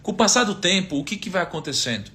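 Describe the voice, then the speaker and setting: Bright-voiced Brazilian man teaching casually. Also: sits high, expressive, quick pace, a little hiss or hum. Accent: Brazilian Portuguese. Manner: conversational, asks rhetorical questions, quotes scripture. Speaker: finance speaker giving a faith-based talk. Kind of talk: casual teaching talk, live stream.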